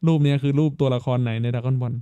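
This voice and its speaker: A man's voice: mid-range voice, fairly even intonation, rapid-fire, mellow, clean tone, no room sound, lo-fi sound. A man hosting a casual live stream, thinking aloud, stammering, repeating words and asking his viewers questions. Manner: talks straight to viewers, asking them questions. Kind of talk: casual live-stream chat while playing.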